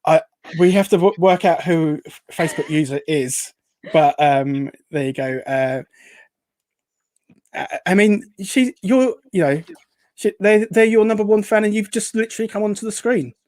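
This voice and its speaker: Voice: medium pitch, normal speed, darkish tone, dry recording. A host chatting casually on a live show, rambling and hesitant, reading out comments in an upbeat way. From Essex, England.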